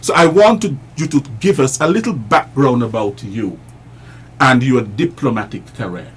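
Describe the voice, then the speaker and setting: A man's voice: medium pitch, lively intonation, moderate pace, slight background noise. A man interviewing guests, chatty and explanatory, repeating words while he searches for them.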